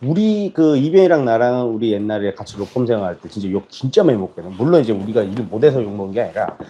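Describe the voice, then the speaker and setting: A fast-talking man with a warm, middle-pitched voice and a lively swing to it. He chats bluntly and casually, dropping slang and short grunts of agreement. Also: a little hiss or hum. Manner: blunt, frequent short backchannels, slangy asides. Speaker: lawyer and co-host. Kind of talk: casual live-stream chat.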